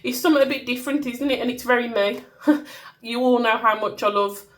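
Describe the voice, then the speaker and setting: A woman's voice: on the high side, a little fast. A woman with a Black Country accent, bunged up and nasal from a cold, chatting casually and informally as she walks through products she has made. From Black Country, England. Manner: informal, self-deprecating, given to singing bits. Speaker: small-business content creator showing her products.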